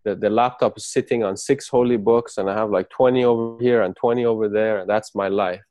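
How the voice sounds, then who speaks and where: A man from Persia, raised in the Emirates and speaking Farsi as his first language, gives a halting spoken account with many restarts as an interview guest on a video call. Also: on the low side, steady tone, darkish tone, dry recording. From Persian, raised in the UAE.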